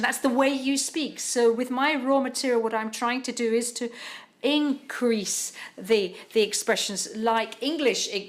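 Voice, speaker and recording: A woman interpreting a literary panel talk live, speaking haltingly with frequent pauses and restarts. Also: on the high side.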